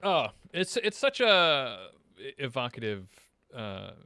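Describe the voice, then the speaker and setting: A man's voice: mid-range voice, very animated, slow pace, pushed and bright, no room sound. A man hosting a show in casual, upbeat chat with his guest. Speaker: show host.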